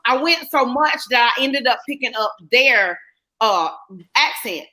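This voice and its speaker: A woman with a Southern US accent runs a casual live chat. Her voice is bright and pitched a little high. She talks easily and keeps breaking off to read viewers' comments aloud. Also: lively intonation, unhurried. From North Carolina. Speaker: livestream host.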